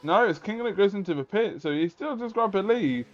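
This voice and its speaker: A man works as a motorsport commentator, calling a race play-by-play in a fairly high voice. He follows each move and poses rhetorical questions as he goes. The audio is slightly dull and lo-fi. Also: lively intonation, brisk. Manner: running play-by-play calls mixed with rhetorical questions.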